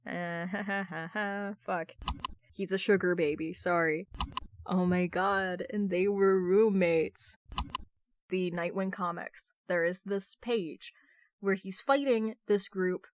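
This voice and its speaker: A woman reading fan fiction as an amateur narrator, slipping between story narration and casual talk. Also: lowish voice. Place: dry room at home.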